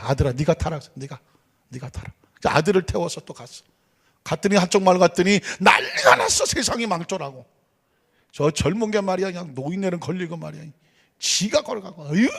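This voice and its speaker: A male pastor preaching to a congregation in a church, telling a folk story with lively swings between loud exclamations and hushed asides. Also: high-pitched. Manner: animated, swings between shouting and hushed asides, acts out villagers. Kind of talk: sermon with folksy storytelling. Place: church sanctuary. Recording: church hall with long reverb.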